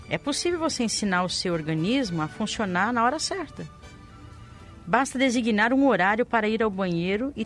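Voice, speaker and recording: Brazilian lady cohosting radio, chatty explainer, normal pitch, music behind her. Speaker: radio co-host. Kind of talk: casual radio chat with health tips. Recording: music under the voice. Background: background music.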